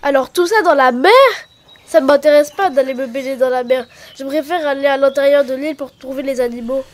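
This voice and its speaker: A woman's voice: sits high, steady tone, fairly quick, close to an everyday voice. A female performer voicing a curious, eager and outspoken little girl in a Christian children's cartoon. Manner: inquisitive, plain-spoken.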